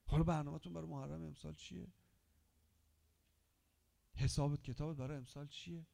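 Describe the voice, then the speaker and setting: Male preacher, high and gravelly, delivering a passionate sermon full of rhetorical questions, loud then hushed. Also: steady tone. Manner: impassioned, swings between loud exhortation and hushed whispering; rhetorical questions pressed on the listener. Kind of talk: Muharram religious sermon.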